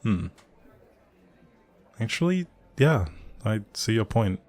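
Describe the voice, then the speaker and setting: In an intimate audio roleplay, a man with a lowish, darkish, very animated voice plays a grumpy young barista who's secretly sweet. Speaking slowly and directly to the listener, he sounds curious and chatty, teasing and wry in a bookish way, with hesitant asides.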